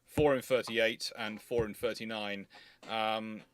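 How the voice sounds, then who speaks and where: A man's voice: on the low side, fairly even intonation, measured pace, no echo. A man hosting a livestream, chatting casually as he explains and answers questions in an emphatic, rambling way. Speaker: host of a naval history question livestream.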